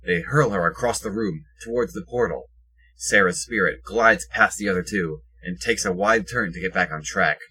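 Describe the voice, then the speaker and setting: Male narrator, scripted action storytelling, deep, sharp-edged, husky. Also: normal speed, poor audio.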